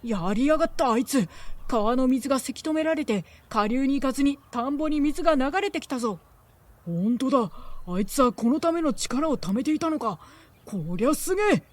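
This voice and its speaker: A woman voicing a rough, greedy village man who talks coarsely. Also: sits high, brisk. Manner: coarse, excited.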